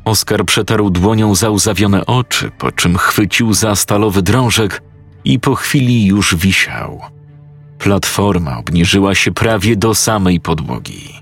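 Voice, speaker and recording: A male narrator reading a horror story with a very deep, gravelly, slightly husky voice. He speaks slowly with lively shifts in pitch, and faint music runs underneath.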